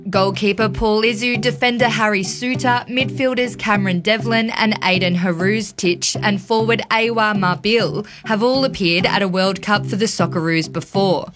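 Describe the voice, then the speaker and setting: A woman's voice: mid-range voice, fairly even intonation, moderate pace, hardly any pauses. Woman reporting over music. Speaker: news reporter. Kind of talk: scripted news narration. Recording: music bed behind voice.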